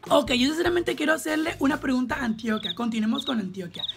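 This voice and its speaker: A young Colombian woman with a Colombian accent and a high, expressive voice talks fast in outspoken, gossipy reaction commentary, swearing freely. She's a reaction vlogger, and music plays clearly in the background.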